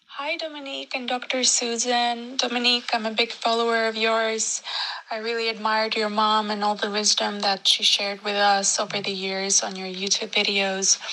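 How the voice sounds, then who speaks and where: Through noticeable background noise, a woman speaks at a moderate pace and fairly high pitch with fairly even intonation. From Ukraine. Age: 30s. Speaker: caller. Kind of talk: recorded voice message.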